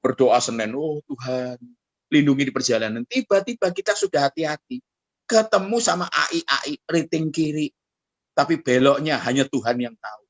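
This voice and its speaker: A man's voice: on the high side, slightly rough, no echo, highs cut off. A middle-aged man preaching a sermon, telling stories and acting out the voices of the people in them. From Indonesia. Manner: animated storytelling, acts out quoted voices, addresses the congregation directly. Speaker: pastor.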